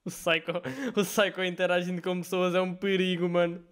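High-voiced reaction host. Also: male voice, monotone, fairly quick, smooth. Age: young adult. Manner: amused, mocking remarks over a played video. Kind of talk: laughing reaction commentary. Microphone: headset.

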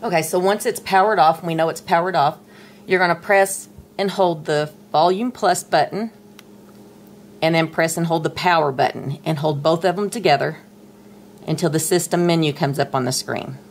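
A woman's voice: low voice, normal speed, a little hiss or hum. A middle-aged woman walking through tablet setup steps in a patient, chatty tutorial, talking while she handles the device. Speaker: tech tutorial presenter. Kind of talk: casual step-by-step tutorial. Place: indoors at a table, dim room.

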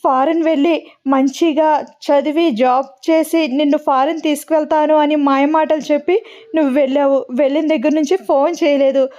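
A woman's voice: sits high, moderate pace, a little mellow, natural voice. A woman voicing a mischievous young woman who fakes tearful heartbreak on a prank call. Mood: melodramatic. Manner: melodramatic, teasing, tearful. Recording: dull lo-fi audio.

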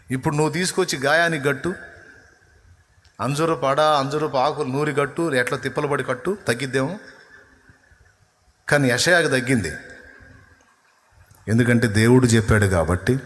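A man preaching a sermon, retelling a scripture story and acting out its dialogue with shifting intensity. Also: mid-range voice. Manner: storytelling, acts out quoted dialogue with rising and falling intensity. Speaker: pastor. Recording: long hall reverb.

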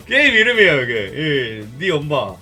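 Lively, bright-voiced male game streamer. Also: a little high, husky. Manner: teasing, joking, crude slang. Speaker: live streamer. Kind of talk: casual chat while showing a game.

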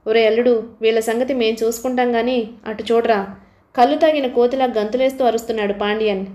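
A woman reading an audiobook voices a gruff male uncle figure giving advice mid-fight. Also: very high-pitched, fairly even intonation, a little fast, a little mellow.

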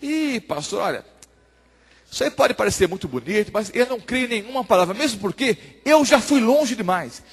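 A man's voice: sits high, very animated, normal speed, breathy edge, exaggerated voice. A male pastor voicing a defiant, hopeless young street man who talks in blunt slang. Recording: long church hall reverb.

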